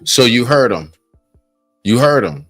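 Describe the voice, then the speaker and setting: A man's voice: medium pitch, sing-song, a little slow, faint music behind. A man on a live-stream debate panel, speaking emphatically to rally the others.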